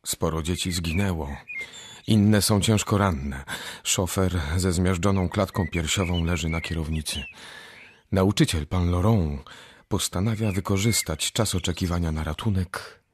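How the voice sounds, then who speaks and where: An actor playing a grave narrator of dark stories in a scripted radio drama. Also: male voice, low-pitched, measured pace. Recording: clearly noisy background.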